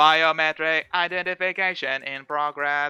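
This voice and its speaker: A man puts on a robotic character voice at a fairly high pitch. The background is quiet. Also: moderate pace. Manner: flat, monotone.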